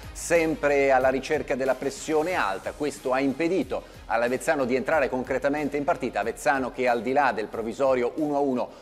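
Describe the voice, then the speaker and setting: Male TV sports presenter, fifties, formal long-winded delivery, reverberant studio, music underneath. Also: mid-range voice. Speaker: sports programme host. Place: indoor TV studio.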